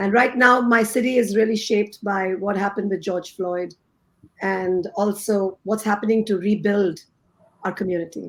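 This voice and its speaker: Speaking with a Tamil accent, a woman keeps a medium pitch, a moderate pace and fairly even intonation. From India. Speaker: panelist. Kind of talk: panel discussion.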